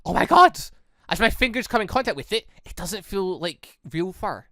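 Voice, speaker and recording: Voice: medium pitch, lively intonation, normal speed, a bit bright, no room sound, studio quality. A streamer reading as a naive, earnest game protagonist. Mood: curious, amazed. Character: naive, curious, apologetic visual novel newcomer protagonist.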